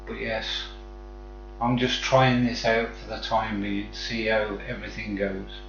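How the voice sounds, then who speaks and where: A man with a Black Country accent talks at an unhurried pace in casual, friendly livestream chat. He addresses viewers like mates. The sound is dull and roomy, with faint music behind him. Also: fairly low pitch, level tone, gravelly, a bit bright. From West Midlands, England. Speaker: live streamer chatting with viewers.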